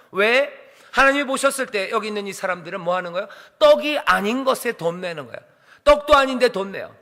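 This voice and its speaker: High, bright-voiced man preaching. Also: long reverb tail. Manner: conversational, asks the congregation questions and voices God's questions. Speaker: pastor. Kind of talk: sermon. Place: church sanctuary.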